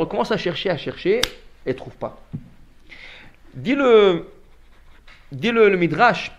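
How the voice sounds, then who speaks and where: Male rabbi, fairly high voice, lively storyteller who acts out each character's lines. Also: dull audio. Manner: animated storytelling, acting out the dialogue; repeats words and restarts phrases. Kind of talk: Torah lesson sermon.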